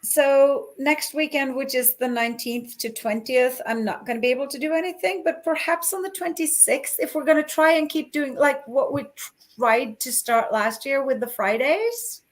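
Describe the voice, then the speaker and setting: A woman's voice: sits high, moderate pace. A woman co-hosting a livestream over a video call, chatting casually with frequent fillers and easy laughter. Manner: chatty, laughs easily, hesitant with many fillers. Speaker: co-host of a livestream.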